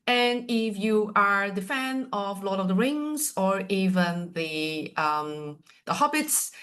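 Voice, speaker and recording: A woman from Malaysia with a Malaysian accent, giving a chatty, playful webinar presentation over a video call. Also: on the low side. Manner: chatty, lively, with a light playful tone. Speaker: university representative presenting to agents.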